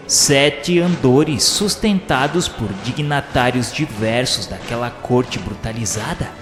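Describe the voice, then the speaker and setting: A man's voice: mid-range voice, natural voice. A man playing a solemn spirit narrator who recounts what he witnessed, in formal, literary radio drama style. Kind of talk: scripted first-person radio drama narration. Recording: long echoing reverb, music bed underneath.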